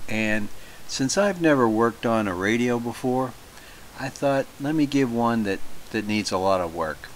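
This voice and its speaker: A man talking casually about his hobby, unhurried and hesitant, with lots of fillers, in a home workshop. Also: on the low side, a bit bright, a little hiss or hum, rough recording. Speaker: hobbyist radio collector. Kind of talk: casual talk to camera.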